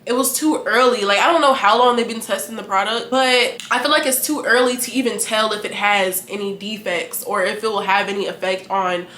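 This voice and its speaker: Young woman in her 20s, vlogger, bright voice, animated and frank, echoey room. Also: mid-range voice, fairly quick, hardly any pauses, a little hiss or hum. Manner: animated, candid, laughing, profane. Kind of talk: casual chat to camera.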